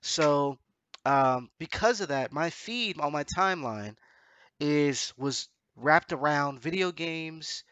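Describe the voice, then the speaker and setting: Bright-voiced male podcast host, slightly congested. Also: on the high side, animated, slow, clean tone, no room sound. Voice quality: congested nose from allergies. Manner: hesitant, self-correcting, rambling. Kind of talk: casual chat.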